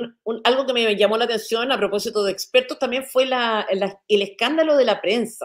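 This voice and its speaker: In a Chilean accent, a woman with a fairly high pitch talks at a fairly quick pace with hardly any pauses. Her intonation is fairly even, and the background is quiet. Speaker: political interviewer. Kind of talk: video interview. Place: home room.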